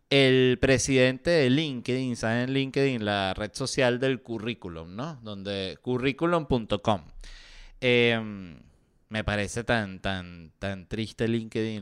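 Chatty sarcastic man, very clear. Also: mid-range voice, a bit bright. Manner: chatty and sarcastic, frequent fillers. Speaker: podcast host. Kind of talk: casual pop-culture news chat.

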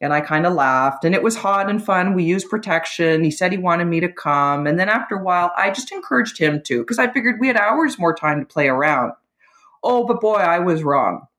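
A woman's voice: fairly low pitch, expressive, brisk, fairly bright tone. A woman caller giving a candid, conversational personal account to an advice show host.

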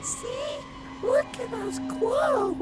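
A woman's voice: extremely high pitch, extremely slow, music in the background, heavily acted. An actress voicing a sweet, sing-song female magical creature who coos soothingly. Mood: cooing.

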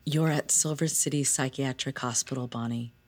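A calm hospital psychiatrist asks a patient questions in a gentle, clinical way, as an actor plays the part. The voice sits at a middle pitch in an audio drama. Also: moderate pace, lightly acted. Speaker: psychiatric doctor.

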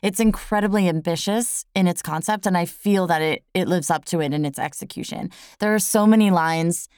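An earnest woman co-host talks through a thoughtful review. Her voice is clear and slightly low, recorded dry and close. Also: brisk, a little mellow, no echo. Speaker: podcast co-host.

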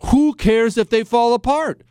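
A man's voice: extremely high pitch, measured pace, a little mellow, clear, resonant tone, dry recording, clean studio sound. A man hosting a political talk show, delivering a mocking, jokey monologue with self-admiring asides. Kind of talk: sarcastic monologue.

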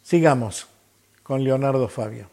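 A man's voice: mid-range voice, a little slow, gravelly, mellow. Argentine man hosting a reflective radio tribute. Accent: Argentine Spanish. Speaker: radio host.

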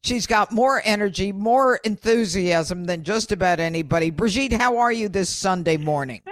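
A woman's voice: medium pitch, moderate pace, dry recording, studio quality. An American woman hosting a radio talk show, who speaks emphatically with frequent "uh" fillers.

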